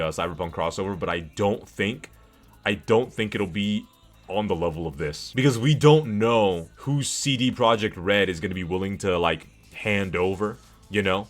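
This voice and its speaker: Guy streamer w kinda low voice, yapping to chat, slangy n hyped, swears a bit, rambly. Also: fairly bright tone. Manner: slangy, hype-filled, rambling, swears casually. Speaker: streamer hosting a discussion with chat. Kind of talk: casual livestream commentary on video games.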